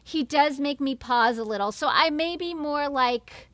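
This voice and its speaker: A woman's voice: high voice, unhurried, a bit bright, no room sound. An American woman from New York, chatting casually and expressively as an enthusiastic interview guest. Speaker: guest, voice actor.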